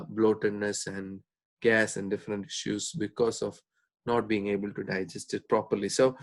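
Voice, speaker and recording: A man giving an informal explanatory talk as a doctor, speaking in a measured, hesitant way with frequent pauses. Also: on the low side, creaky.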